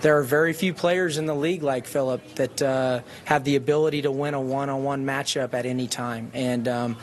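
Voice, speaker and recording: A man explaining things in a measured way as a football coach being interviewed. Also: medium pitch, fairly even intonation. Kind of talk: interview answer.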